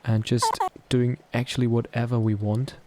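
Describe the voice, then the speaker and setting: A man with a medium-pitched voice narrates a software tutorial. He explains things step by step in a casual way, as a presenter would. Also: little pitch movement, moderate pace, heavy background noise.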